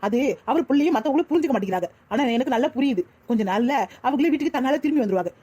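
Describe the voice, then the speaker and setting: A woman voicing a rapid, earnest young pregnant wife. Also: high voice, animated, mellow, husky. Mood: reassuring. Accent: Tirunelveli Tamil. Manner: reassuring, reasoning. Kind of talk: cartoon voice acting.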